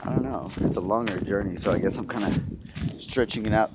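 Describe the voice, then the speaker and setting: A man's voice: on the low side, brisk. A young man vlogging as he walks outdoors along a street, chatting casually in a rambling way with profane, sarcastic asides, filmed on a handheld phone. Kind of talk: casual vlog chat while walking. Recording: loud outdoor noise from traffic. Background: traffic and outdoor sounds.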